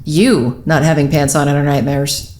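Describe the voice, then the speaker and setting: A woman's voice: low-pitched, fairly even intonation, normal speed, a little mellow, faint music behind. A woman acting in an audio drama as a wry, guarded character who recalls a youthful misadventure in a dry, sardonic manner. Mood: dry teasing. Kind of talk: audio drama narration and dialogue.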